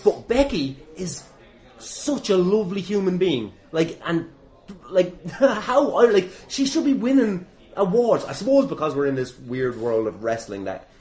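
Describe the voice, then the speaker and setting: A man's voice: high-pitched, very animated, unhurried, a little mellow. An Irish man hosting a podcast in casual conversation, emphatic and swearing freely, recorded in an echoey room. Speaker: podcast host.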